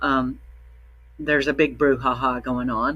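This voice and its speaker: On a very clean recording with a silent background, a woman speaks with vocal fry. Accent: strong Southern US. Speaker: minister and success coach. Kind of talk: class on mindfulness. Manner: casual, hesitant with fillers.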